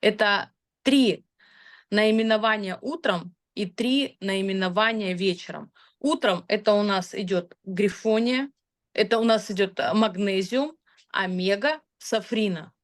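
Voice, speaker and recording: This is a woman in her thirties sharing her personal experience in a relaxed, chatty way. She hesitates often and fills gaps with small sounds. Her voice sits at an ordinary middle pitch for a woman. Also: a little slow. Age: 30s. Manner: chatty, hesitant, with many fillers. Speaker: customer sharing product results. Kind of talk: casual testimonial talk.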